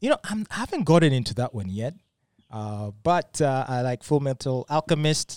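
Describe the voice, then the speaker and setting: This is a man with an unremarkable speaking voice, medium pitch and lively intonation at a moderate pace. The sound is dry and close with no echo, on a very clean recording with a silent background. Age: 40s. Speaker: radio broadcaster. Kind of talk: casual chat.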